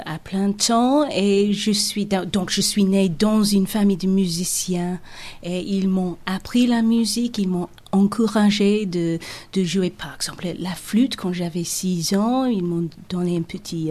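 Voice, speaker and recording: A young woman from England, a native English speaker, speaking French with an English accent in a radio interview, a little halting as she searches for words. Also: mid-range voice, a little mellow. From England, Brighton on the south coast. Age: young adult. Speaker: guest, singer and musician.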